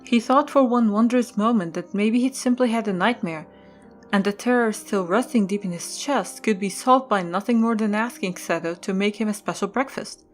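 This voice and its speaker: A woman narrator reads scripted story prose for an audio drama. Her voice sits at a medium pitch, with faint music playing underneath. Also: normal speed.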